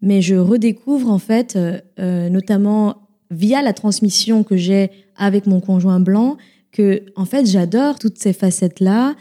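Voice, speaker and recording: A woman's voice: medium pitch, unhurried, warm tone. A young woman studying sociology, speaking thoughtfully as a guest in a casual podcast chat. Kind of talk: casual round-table chat.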